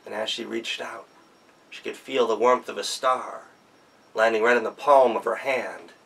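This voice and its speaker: Male storyteller, gentle rhythmic delivery, gravelly voice, recorded from afar. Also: fairly low pitch, fairly even intonation, recorded from a distance, poor audio. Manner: gentle, rhythmic telling with pauses. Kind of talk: folktale storytelling.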